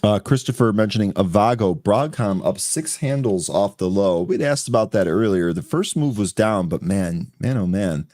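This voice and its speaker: A man co-hosting a live trading show, calling out tickers and chart levels in brisk, quick succession. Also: fairly low pitch, animated, a little mellow, no room sound, clean studio sound. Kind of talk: live market commentary.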